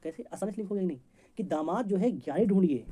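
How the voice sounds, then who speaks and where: Fast-talking male exam teacher. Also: high voice, animated, mellow, husky. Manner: rapid, chatty, jokey teaching with homely examples. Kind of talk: memory-trick lesson for competitive exams.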